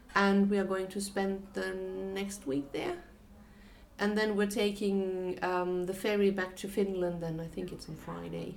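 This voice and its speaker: In a room with audible echo, a woman speaks at a medium pitch with monotone, flat intonation. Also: moderate pace. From Germany. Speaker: motorcyclist. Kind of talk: casual chat. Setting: women's motorcycle festival.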